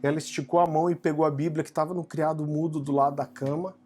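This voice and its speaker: A man's voice: a little high, level tone, fast talker, a little mellow. A Brazilian man preaching, who tells a personal story with humor and animation in a home setting. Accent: Brazilian Portuguese. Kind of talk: sermon testimony. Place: home living room. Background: faint guitar music.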